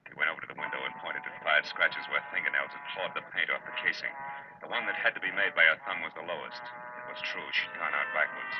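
A man's voice: extremely low pitch, expressive, fast. A man acting a world-weary, curt American private detective in old-time radio style, with clipped, tough delivery. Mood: grim narration. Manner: clipped, terse, tough-talking. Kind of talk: 1940s radio acting, scripted first-person narration. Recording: muffled, noisy old radio recording.

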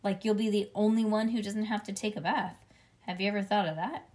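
A woman's voice: medium pitch, steady tone, brisk, darkish tone, natural voice. A woman voicing a father in a children's story, exasperated but reasoning, with emphatic questions. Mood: coaxing.

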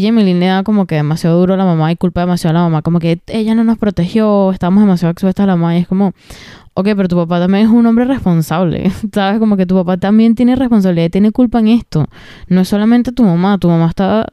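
A woman's voice: medium pitch, mellow, clear, resonant tone, dry recording. A young woman hosting a podcast, talking in a casual, emphatic and slangy way and dropping in English phrases. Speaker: podcast host.

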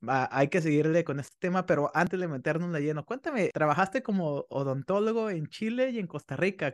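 Higher-pitched man hosting, dry close sound. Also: no room sound. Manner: informal, chatty. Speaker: podcast host, interviewer. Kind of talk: casual conversational interviewing.

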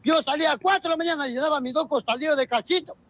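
A man with a Peruvian Spanish accent doing a rowdy street comedy routine, shouting punchlines and acting out dialogue. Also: very high voice, racing, highs cut off.

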